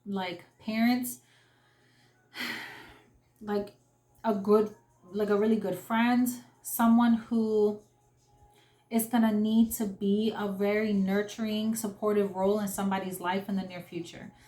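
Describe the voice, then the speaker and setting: A woman's voice: medium pitch, level tone, takes it slowly, pauses often, warm tone, reverberant. Earnest young woman giving a tarot reading. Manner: emotional, earnest, lots of fillers and restarts. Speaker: tarot reader. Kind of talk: casual spoken tarot reading.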